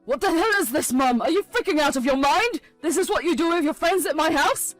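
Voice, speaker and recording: A woman's voice: mid-range voice, fairly quick, no room sound, soft background music, close to an everyday voice. Woman doing an angry grown son. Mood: outraged. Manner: angry, scolding. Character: angry grown son scolding his mother.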